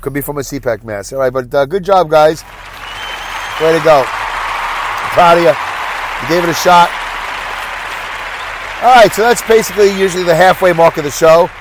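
A man's voice: on the high side, moderate pace, pauses often, crowd noise, background noise. Congested man rambling while driving. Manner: chatty, self-deprecating, talks to himself. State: congested, stuffy nose. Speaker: podcast host. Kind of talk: solo rambling podcast monologue. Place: in a car, driving in traffic.

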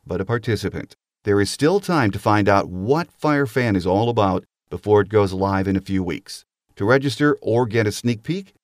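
A man's voice: fairly low pitch, no room sound, clean studio sound. A man hosting a sports podcast, reading game notes and promos. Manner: steady announcer delivery, reading notes and promos. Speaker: podcast host.

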